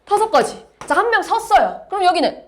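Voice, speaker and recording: A woman's voice: very high-pitched, big pitch swings, fairly quick. A woman math teacher lecturing a class, explaining step by step and asking her students questions.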